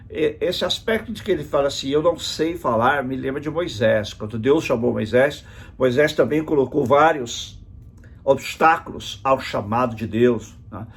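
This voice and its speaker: Husky-voiced pastor teaching scripture. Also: male voice, mid-range voice. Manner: explanatory, reads scripture aloud with emphasis. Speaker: pastor teaching a Bible study. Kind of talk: virtual Bible study teaching.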